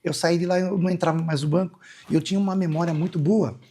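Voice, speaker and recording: Man, slightly high husky voice, rambling anecdotes, casual interview guest. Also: fairly even intonation, fast, warm tone. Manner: rambling anecdotal, frequent "né?" tags. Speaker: hypnotherapist guest.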